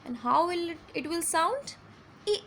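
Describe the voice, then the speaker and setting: In an expressive phonics lesson for children, a woman with an Indian English accent and a high, light voice teaches vowel sounds. She stretches every example word slowly and switches between Hindi and English, over a faint background hum.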